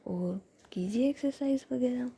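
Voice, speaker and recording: A woman voicing a teasing, bossy and affectionate young woman in a soft whisper, as part of a whispered story. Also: a little high, a little slow, a little hiss or hum, pitched above the performer's own voice.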